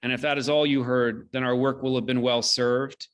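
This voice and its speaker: A man hosting an online event, giving measured, solemn closing remarks with deliberate rhetorical repetition. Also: medium pitch, flat delivery, clean tone. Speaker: host, theater company director. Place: indoors, online video call.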